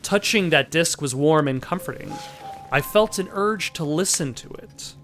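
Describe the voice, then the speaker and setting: A man playing a video game who reads its text aloud in a plain, measured way, with casual asides. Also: on the high side, animated, a bit bright, faint music behind. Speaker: let's play host.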